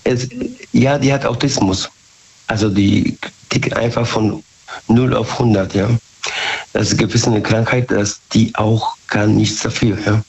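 Hoarse male caller, slightly low voice, muffled phone line. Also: steady tone, darkish tone. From Germany. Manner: halting, ungrammatical German, repeats "ja".

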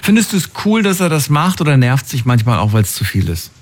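A man's voice: mid-range voice, very animated, fairly quick. A man hosting a call-in show, chatty and full of follow-up questions for his callers. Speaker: radio call-in host.

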